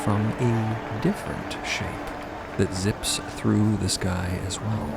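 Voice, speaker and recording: Low-voiced man narrating over loud music. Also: steady tone, slow, creaky. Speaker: podcast narrator and storyteller. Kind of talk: dramatic scripted narration. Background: loud music bed.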